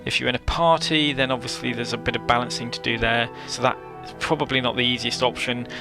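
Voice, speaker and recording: Opinionated gaming man with a gravelly edge. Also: medium pitch, fairly even intonation, fairly quick. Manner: opinionated, emphatic. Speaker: gaming video host. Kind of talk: opinion commentary on an online game. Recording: music behind the voice. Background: music.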